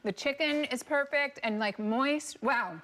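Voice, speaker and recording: Upbeat woman TV host, slightly high. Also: unhurried, a bit bright. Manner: upbeat, gushing reactions while tasting. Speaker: TV lifestyle show host. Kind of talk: lively studio interview and food tasting.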